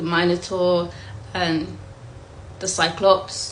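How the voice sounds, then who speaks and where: A woman speaks at a medium pitch. Room echo is audible. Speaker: YouTuber. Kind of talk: casual vlog monologue. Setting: filming at home late at night. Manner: stuttering; rambling, chatty.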